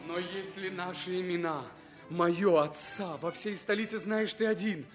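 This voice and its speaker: Noble young prince, confident, fairly high voice, stagey radio play with faint music. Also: male voice, steady tone, measured pace. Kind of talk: theatrical radio play acting.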